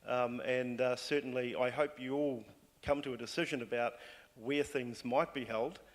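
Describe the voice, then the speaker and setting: A man's voice: medium pitch, steady tone, normal speed. A man speaking for a Māori council at a consultation, hesitant, with many fillers and restarts.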